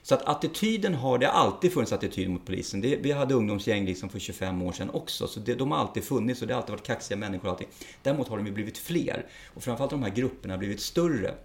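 A middle-aged police officer speaks in a lowish, expressive voice during a casual interview. He's frank, blunt, and plain-spoken, letting the odd curse word slip.

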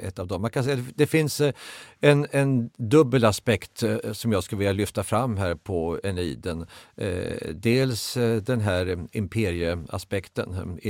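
A man's voice: fairly low pitch, a little mellow, dry recording. A man speaking as an expert guest in a podcast discussion, lecturing with frequent hesitations.

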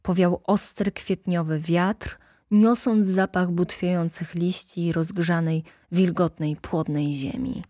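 Calm woman reading an audiobook. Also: fairly low pitch, dry recording, studio quality. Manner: calm, measured narration. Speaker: audiobook narrator.

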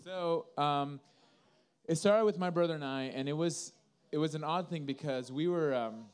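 A man's voice: fairly high pitch, normal speed, clean tone. A man from Indonesia, a musician in a Christian band, answering interview questions with casual, earnest storytelling.

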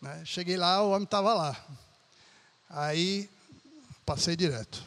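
A man delivers a sermon in a relaxed, conversational way. He keeps checking in with his listeners through frequent tag questions. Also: high voice, unhurried. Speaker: pastor.

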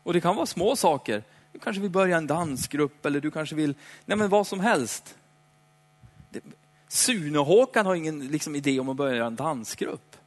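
A man preaching a sermon in a chatty, playful way, slowing down for dramatic emphasis. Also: a little high, animated. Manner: conversational, dramatic slowdowns, playful asides. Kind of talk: lively sermon. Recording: hall reverb.

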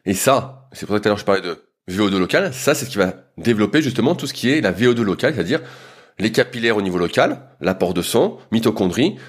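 A man's voice: fairly low pitch, animated, fast talker. A man, a strength coach, explaining training in a loose, casual way with frequent hesitations and fillers.

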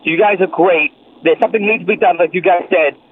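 A man's voice: high voice, fast, slight background noise. A male caller on a radio show, heard through an old flip phone, rambling politely through a complaint. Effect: old flip phone call. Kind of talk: call-in radio chat. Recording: tinny flip phone line.

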